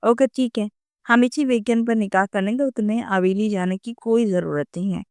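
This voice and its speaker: A woman reading the lines of a young male boss who speaks gently and reassuringly. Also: medium pitch, no room sound, clean studio sound, close to an everyday voice.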